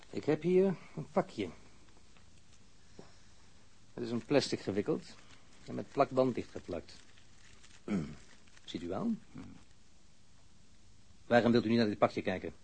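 An actor playing a stern, sarcastic police interrogator in an audio crime drama, probing formally and relentlessly. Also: male voice, medium pitch, animated, takes it slowly, creaky, long pauses, slightly rough, full character voice. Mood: taunting, insistent.

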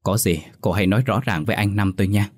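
A man's voice: on the low side, steady tone, fast, darkish tone, close to an everyday voice. A man voicing a timid villager frightened of ghosts, who nervously pleads with a bully to leave the matter alone. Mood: resigned.

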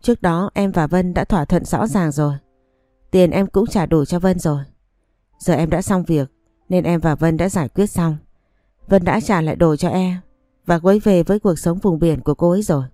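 A woman's voice: on the low side, moderate pace, warm tone, no echo, studio quality, faint music behind, natural voice. A woman reading a story aloud, voicing a scheming young wife who coaxes and pleads with her husband. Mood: coaxing. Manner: coaxing and pleading.

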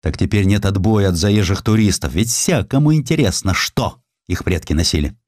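A man reading scripted historical narration as an expressive audiobook storyteller. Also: on the low side, normal speed, dry recording, studio quality.

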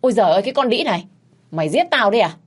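A woman voicing a foul-mouthed, scheming old village woman who screeches and curses, in a low voice. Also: lively intonation, normal speed, a little mellow. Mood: shrieking. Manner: shrill, cursing, screeching.

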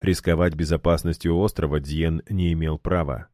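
A man narrating a fantasy novel in an even, measured way. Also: extremely low pitch, no echo, studio quality. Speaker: audiobook narrator.

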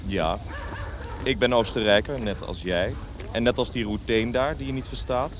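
A calm career officer played by a man talks wryly in a radio play. His voice is mid-pitched, with faint noise behind it. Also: normal speed, natural voice. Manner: calm, wry. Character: wry, calm male career army officer. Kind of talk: radio drama acting.

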